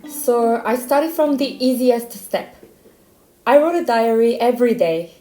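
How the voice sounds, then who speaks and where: A woman's voice: on the high side, lively intonation, unhurried, dark tone, faint music behind. Woman, Korean accent, twenties, casual self-deprecating vlog chat, echoey room. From South Korea. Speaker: vlogger.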